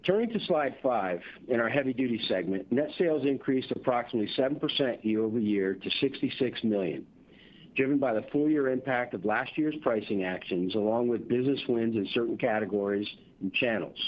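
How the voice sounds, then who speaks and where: A man delivers a scripted corporate results presentation in a formal, measured way. His voice sits at a medium pitch, and the conference-call audio is slightly dull and lo-fi. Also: expressive. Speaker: company executive presenting quarterly results.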